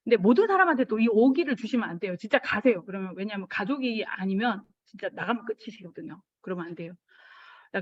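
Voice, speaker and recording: A middle-aged woman giving a lively motivational business talk, acting out little scenes of dialogue with sudden jumps in pitch. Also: no echo, muffled recording.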